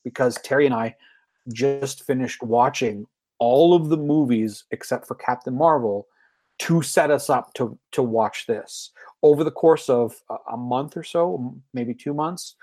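A man's voice: medium pitch, unhurried, a little mellow. A man in his forties, a guest on a podcast, chatting casually and enthusiastically with frequent restarts. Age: 40s. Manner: enthusiastic, rambling, many restarts.

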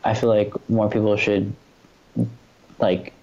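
A man's voice: on the low side, completely flat delivery, slow pace, a little mellow, lo-fi sound. A man from New York, a photographer, talking earnestly as a guest in a casual conversation, with lots of "like" and "you know".

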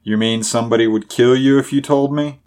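A man's voice: mid-range voice, steady tone, a little fast, darkish tone, pitched above the performer's own voice, lightly acted. Man playing a blunt, insistent sheriff. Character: blunt, persistent male Southern sheriff.

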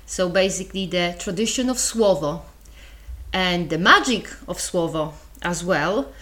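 A woman's voice: lowish voice, expressive, measured pace, fairly bright tone. Chatty Polish-accented woman podcaster. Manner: chatty and wry, with asides and small laughs. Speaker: podcast host. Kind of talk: solo podcast lecture.

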